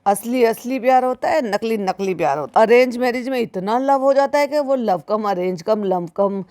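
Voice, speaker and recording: A woman's voice: a little high, moderate pace, darkish tone. A woman giving critical reaction commentary in a sarcastic, scolding manner, often speaking straight to the listener. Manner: sarcastic, scolding, mimics the people she mocks; keeps addressing the listener as "bhai sahab".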